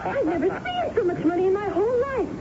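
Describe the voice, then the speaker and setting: A woman's voice: very high-pitched, very animated, fast talker. An actress playing an eager, inquisitive young daughter in a radio drama, earnest and girlish in her questions. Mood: excited, delighted. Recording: dull, noisy vintage radio broadcast.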